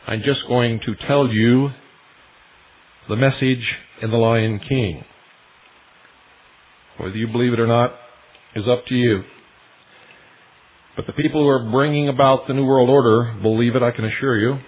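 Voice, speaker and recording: A male radio host delivering a solemn, deliberate monologue, speaking straight to his listeners as ladies and gentlemen. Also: mid-range voice. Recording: tinny shortwave radio broadcast.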